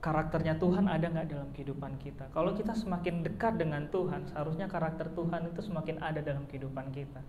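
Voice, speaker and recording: A man's voice: on the high side, fast, hardly any pauses, a little mellow, roomy sound, muffled recording, slight background noise. A young man preaching a sermon as pastor, chatty and conversational, full of fillers and rhetorical questions. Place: church hall.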